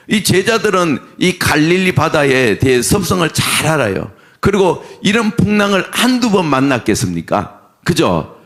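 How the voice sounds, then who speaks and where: A man's voice: on the high side, fairly bright tone. A middle-aged man preaching a sermon as pastor, asking the congregation questions and answering them himself.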